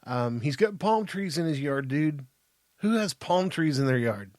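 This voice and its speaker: A man's voice: fairly high pitch, animated, a little slow, darkish tone, no room sound, studio quality. A man in his fifties with an American accent, bantering casually and crudely as a podcast co-host, with emphatic delivery. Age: 50s.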